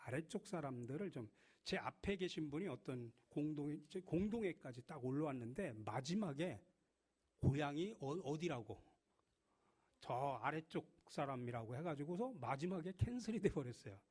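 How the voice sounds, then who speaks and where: A middle-aged man from Chungcheong, South Korea, preaching a sermon to his congregation with a lively, humorous, direct manner. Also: a little high. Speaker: pastor. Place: church.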